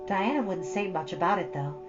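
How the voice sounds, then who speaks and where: A woman's voice: fairly low pitch, animated, fairly quick, muffled recording, over loud music, natural voice. A woman voicing a chatty, earnest thirteen-year-old girl from a storybook, rambling with solemn drama. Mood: dreamy, eager. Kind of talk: storybook character reading.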